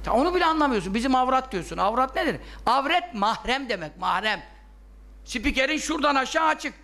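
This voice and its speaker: A religious teacher with a very high, sing-song voice delivers a brisk, sharp-toned lesson. He scolds emphatically, poses rhetorical questions and answers them himself, and acts out objections.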